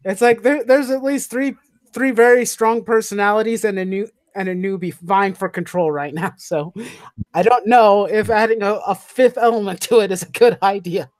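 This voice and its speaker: Streamer host, mid pitch, chatty storyteller, dry home-mic sound. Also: normal speed, no room sound. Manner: chatty storytelling, laughs often. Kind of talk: casual chat.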